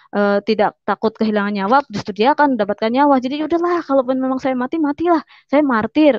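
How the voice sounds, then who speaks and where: A woman's voice: fairly high pitch, dry recording, highs cut off. A woman giving a personal testimony, telling her story earnestly and often repeating words as she goes.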